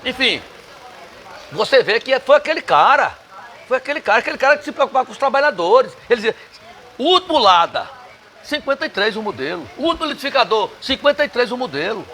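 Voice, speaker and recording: High-voiced, combative Northeastern Brazilian man. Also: very animated, fast, bright, forceful tone. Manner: emphatic, combative, salty language. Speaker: interview guest. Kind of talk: casual bar interview. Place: bar.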